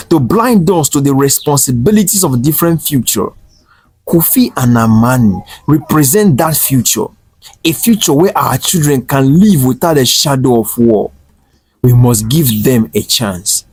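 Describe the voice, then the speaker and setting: A man voicing a wise old tribal elder in a folktale, gentle yet firm as he counsels. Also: medium pitch, lively intonation, measured pace, breathy edge, voice pushed up. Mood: solemn appeal. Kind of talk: dramatic folktale character voice. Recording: roomy echo over faint music.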